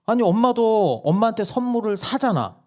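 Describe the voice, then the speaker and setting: A hoarse man voicing an eight-year-old boy who whines and argues for a Christmas present. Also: high-pitched, sing-song, normal speed, warm tone, voice pushed up. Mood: whiny, arguing. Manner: whiny, argumentative, insistent. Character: pushy little boy, about eight, demanding presents.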